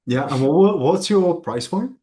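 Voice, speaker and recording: Relaxed encouraging male interviewer. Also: fairly high pitch, normal speed. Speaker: program owner, interviewer. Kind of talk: casual interview.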